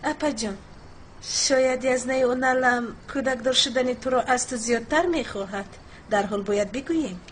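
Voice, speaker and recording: A woman's voice: high-pitched, slight background noise, natural voice. An actress with a Tajik accent playing an earnest young woman pleading with her family in a dubbed drama.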